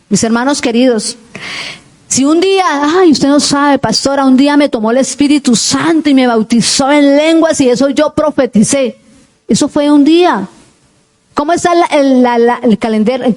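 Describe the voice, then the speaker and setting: Fervent high-voiced woman pastor. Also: darkish tone. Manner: fervent preaching with questions to the congregation and repeated amén. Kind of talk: sermon. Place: church.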